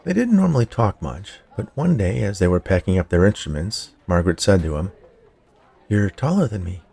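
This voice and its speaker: A man narrating scripted fiction as a storyteller, in a measured, clearly phrased way. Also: low voice, expressive, mellow. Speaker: writer, narrator and podcast producer.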